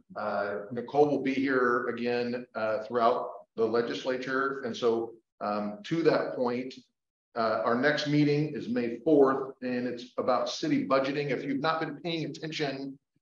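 Over light background noise and audible room echo, a man talks at a fairly slow pace with fairly even intonation. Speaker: committee co-chair, commercial real estate. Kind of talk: meeting moderation. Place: meeting room. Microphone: camera far.

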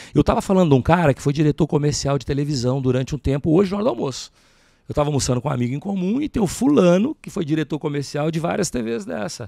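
A man's fast, lively voice, fairly high in pitch and dark and mellow in tone, at a very fast pace, with a dry sound, no echo and a quiet background. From Belo Horizonte, Minas Gerais, Brazil. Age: 50s. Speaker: business executive and board adviser; podcast guest, speaker. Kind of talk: casual interview. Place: studio. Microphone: studio mic.

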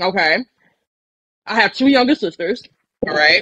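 Against a quiet background, a woman speaks in an animated tone with very wide pitch swings. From Nigeria, Benin City; moved to the US as a child. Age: 20s. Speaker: life coach, military veteran. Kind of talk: casual interview chat. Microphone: video call.

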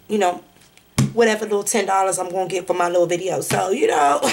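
Against noticeable background noise, a woman's intonation stays fairly even. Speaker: tarot reader. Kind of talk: casual tarot reading chat. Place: home room. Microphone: camera far.

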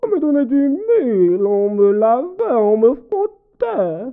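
Someone speaks in a put-on character voice at a fairly high pitch. The pace is very slow. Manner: bitter, sorrowful.

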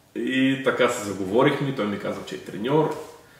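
Over audible room echo, a man speaks at a fairly slow pace with ordinary pitch variation. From Bulgaria, Ruse; Bulgaria. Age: 20s. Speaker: bodybuilder. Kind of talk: vlog monologue; casual vlog chat. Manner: halting. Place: kitchen.

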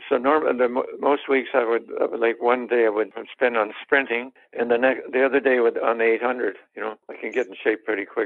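Flat and monotone, a man with medium pitch speaks at a fairly quick pace. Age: 80s+. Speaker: masters athlete. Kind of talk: interview. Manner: halting.

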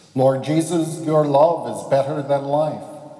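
Room echo is audible as a man speaks at a very slow pace. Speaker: priest leading Mass. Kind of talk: liturgical prayer. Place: church. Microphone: lapel.

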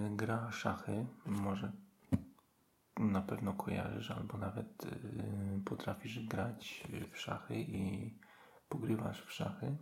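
Soft-spoken and calm in tone, a man speaks very slowly with long, frequent pauses, a fairly low pitch, vocal fry and ordinary pitch variation. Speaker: ASMR creator. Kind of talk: ASMR roleplay / relaxation narration. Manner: calm, soft-spoken.

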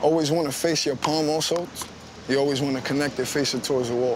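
Noticeable background noise sits behind a man talking at a very fast pace, the sound dry with no echo. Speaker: handball coach. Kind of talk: coaching instruction. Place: street. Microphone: lapel.

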